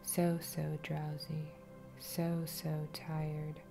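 A woman playing a soothing waitress hypnotist in an ASMR roleplay, with a soft, often whispery, breathy voice and a coaxing manner. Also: low-pitched, completely flat delivery, faint music behind, heavily acted. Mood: hypnotic, drowsy. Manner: slow, repetitive, soothing, coaxing. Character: friendly waitress turned soothing, commanding hypnotist.

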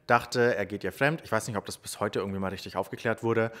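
A man's voice: on the low side, fast talker, a bit bright. A young man doing casual news commentary, chatty and sarcastic, with many fillers. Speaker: commentary YouTuber.

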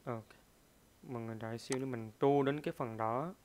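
A man's voice: medium pitch, fast, a little mellow, slight background noise. A man teaching a pronunciation lesson. He hesitates often, uses many fillers, and repeats each word several times to demonstrate it.

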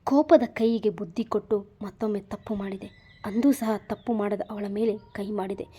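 A woman narrates a romantic drama story in an expressive, scripted reading. Her voice is mellow and warm in tone, with a steady middle pitch. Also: normal speed, slightly rough.

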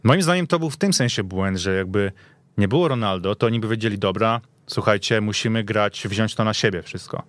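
A man's voice: fairly low pitch, brisk, no echo. A man speaking as a football pundit in a casual discussion, opinionated and emphatic.

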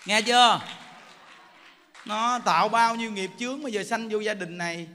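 A man with a Southern Vietnamese accent delivers a Buddhist sermon in a very high, bright voice. He drives his points home emphatically and keeps asking his listeners whether they see it. Long reverb rings around him as in a large hall. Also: normal speed, slight background noise. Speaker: Buddhist preacher.

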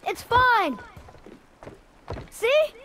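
An eager young boy in a video game, with a high, light, childlike voice. His delivery is earnest and swings widely in pitch, with faint game ambience behind it. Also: big pitch swings, extremely slow, sharp tone, slight background noise, full character voice. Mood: excited. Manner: earnest, seeking approval. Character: eager young boy, warrior's son, curious and impulsive. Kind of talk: dramatic video game acting.

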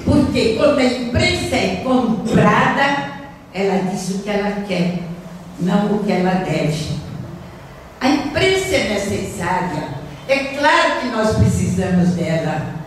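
An older woman giving an earnest spiritist lecture at a stand mic, reading from notes and speaking with deliberate emphasis in a small hall. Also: mid-range voice, big pitch swings, a little hiss or hum. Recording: roomy hall echo from a distant camera.

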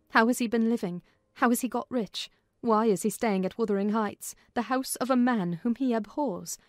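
A woman's voice: mid-range voice, darkish tone. A woman reading a classic novel as scripted, dramatic audiobook narration.

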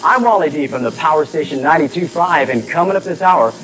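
A man's voice: fairly high pitch, fast, low-quality recording. Peppy young male music show host. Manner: energetic, punchy announcer delivery. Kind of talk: upbeat TV presenter patter. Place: TV studio set, seated in director's chair.

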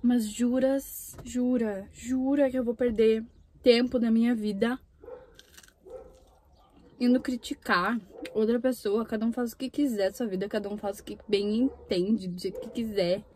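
A young Brazilian woman eats and chats casually for her mukbang channel, filming in a parked car from a dashboard camera. Her voice is fairly high, mellow, a little slow, and fairly even in intonation, with a little hiss or hum in the recording.

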